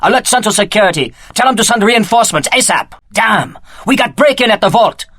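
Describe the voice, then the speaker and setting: A man's voice: high-pitched, animated, fairly quick, gravelly, sharp tone, no echo, clean studio sound, full character voice. A man voicing a stern, threatening guard in a video game, speaking clipped broken English. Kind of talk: video game enemy barks.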